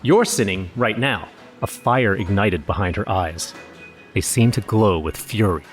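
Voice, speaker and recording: A man's voice: lowish voice, a little slow, faint music behind, close to an everyday voice. An actor playing an anxious young man who narrates his own horror story in a scripted audio drama. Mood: uneasy, tense. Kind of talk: first-person scripted horror narration with acted dialogue.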